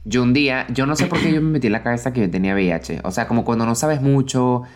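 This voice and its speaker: Fast-talking young man. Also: medium pitch. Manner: fast, expressive storyteller. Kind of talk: casual chat.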